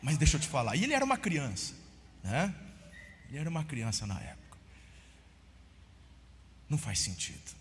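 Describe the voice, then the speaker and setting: A Brazilian man preaching a sermon as pastor, telling a story with lively swings and shouting at the peaks, often calling listeners brother. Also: fairly high pitch, brisk, long pauses, big-room sound.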